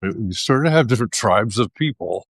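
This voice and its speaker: A man with a very low voice talks thoughtfully, pausing and restarting as he searches for the right words. He sounds like a host sharing his thoughts on a live video. The sound is close and dry, with no room echo. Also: expressive, gravelly, slightly rough. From United States. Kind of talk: reflective casual talk.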